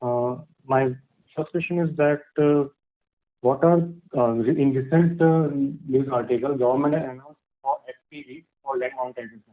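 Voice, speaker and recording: A man with an Indian accent asking questions as a caller, halting and repeating himself. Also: medium pitch. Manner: halting, repetitive. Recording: choppy, crackly phone line.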